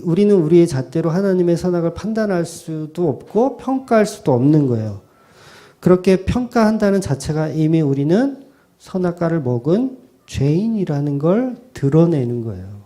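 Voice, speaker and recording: Animated high-voiced male pastor preaching. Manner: animated preaching, quoting imagined voices with sudden drops to soft asides; asks the congregation questions. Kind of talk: expository sermon.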